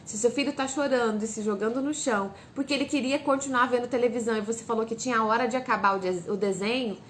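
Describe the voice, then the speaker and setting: A woman giving direct parenting advice. She asks parents questions and answers them herself, and she acts out calm lines a parent might say to a child. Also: fairly high pitch, quick pace, a little hiss or hum. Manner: speaks straight to parents, asks and answers her own questions. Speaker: parenting educator.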